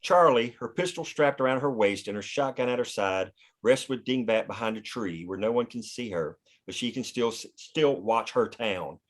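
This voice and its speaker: Male narrator, mid-range pitch, reads scene headings and stage directions for a screenplay read. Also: moderate pace, hardly any pauses. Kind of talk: scripted narration of screenplay action.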